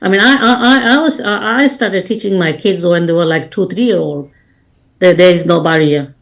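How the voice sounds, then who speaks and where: A woman's voice: on the low side, normal speed, creaky. A woman from Bangladesh, speaking earnestly as a life coach and guest on a radio interview. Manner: earnest, speaks in short restarting phrases.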